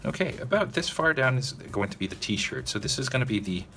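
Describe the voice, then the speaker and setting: A man's voice: mid-range voice, expressive, brisk, sharp tone, slight background noise. A man hosting a narrated drawing tutorial, talking casually to viewers and checking in with them often. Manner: casual, addresses viewers directly, frequent "okay?" check-ins.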